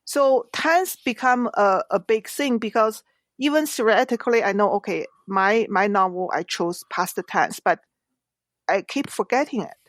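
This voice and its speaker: A woman's voice: medium pitch, unhurried, no room sound. A middle-aged woman with a Chinese accent, a non-native English speaker whose first language is Chinese, explaining things earnestly with examples as an author guest on a podcast. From China. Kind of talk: podcast interview.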